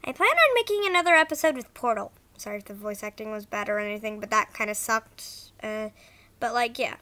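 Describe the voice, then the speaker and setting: A woman's voice: a little high, lively intonation, fairly quick, sharp tone. A woman narrating informal scripted announcements as an animation creator, stumbling a little over her words.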